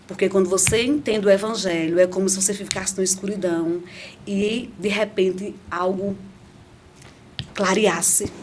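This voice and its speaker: A middle-aged woman speaks as a podcast guest, recounting her conversion story with animated energy. She stumbles, restarts and addresses the room directly, at an ordinary mid pitch. The voice is close on a studio microphone. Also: a little slow, slight background noise. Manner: animated storytelling with frequent restarts and asides to listeners. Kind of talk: conversational faith testimony.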